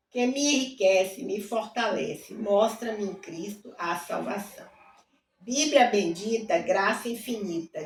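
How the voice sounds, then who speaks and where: A woman's voice: mid-range voice, darkish tone, slight background noise. A woman leads a devotional reading, reciting hymn lyrics with fervent asides and then praying. Her voice sits in a middle range. It carries the echo of a room and sounds set back from the microphone. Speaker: Bible reading host. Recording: roomy, distant mic with faint ambience.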